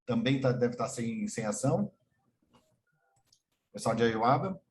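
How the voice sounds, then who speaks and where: A man's voice: mid-range voice, animated, slow pace, darkish tone. A man with a Brazilian Portuguese accent, hosting an online session and introducing guests one by one. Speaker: host and moderator of an online session. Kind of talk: moderating a video call. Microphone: video call.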